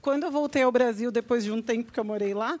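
A woman's voice: on the high side, fast, darkish tone, no echo. A woman guest on a talk show chatting about her time learning languages abroad. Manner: chatty, laughing anecdotes. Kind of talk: casual chat.

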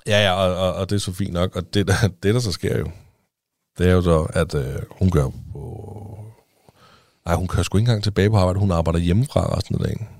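A man's voice: deep voice, creaky, darkish tone, no room sound, clean studio sound. A man with a Danish accent, a father talking as a podcast guest in casual chat, rambling with many restarts and fillers.

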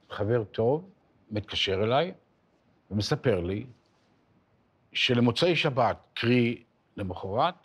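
An older man, a lawyer, telling stories in an interview in a measured, anecdotal way and quoting others in his own voice. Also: lowish voice, slightly rough. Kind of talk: storytelling in an interview.

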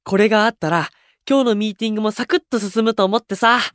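A man's voice: sits high, steady tone, quick pace, a bit bright, no room sound. Boyish young male idol: impulsive, exuberant, slangy, straightforward, close dry studio sound for audio drama. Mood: cheerful, excited. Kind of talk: anime-style audio drama acting.

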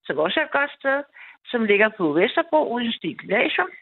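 A woman's voice: on the high side, very animated, husky. A woman in her fifties calling in, rambling through a personal story and repeating herself a lot. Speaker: caller. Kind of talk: personal storytelling on a call-in show. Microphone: telephone. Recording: tinny phone line.

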